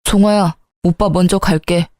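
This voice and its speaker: A woman's voice: lowish voice, fairly even intonation, normal speed, darkish tone, no echo, clean studio sound, close to an everyday voice. A woman voicing an offended older brother who speaks curtly and coldly. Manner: curt, cold.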